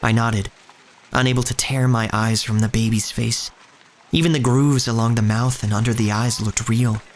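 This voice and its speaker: An actor playing an earnest, uneasy young shop boy, narrating his own story in a measured, literary way. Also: mid-range voice, fairly even intonation, a little hiss or hum, lightly acted. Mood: quietly unsettled. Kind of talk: first-person scripted narration in audio drama.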